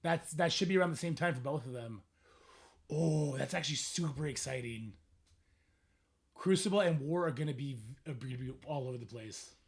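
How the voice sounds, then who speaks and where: A man's voice: medium pitch, normal speed. A man chatting casually on a gaming livestream, thinking aloud in a rambling way, his voice strained as if he is losing it. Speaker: live streamer.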